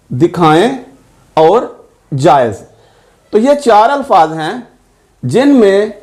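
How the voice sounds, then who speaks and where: Slow, deliberate male grammar teacher. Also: high-pitched, darkish tone. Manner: slow, deliberate, spells out words letter by letter and repeats examples. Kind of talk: explanatory grammar lesson.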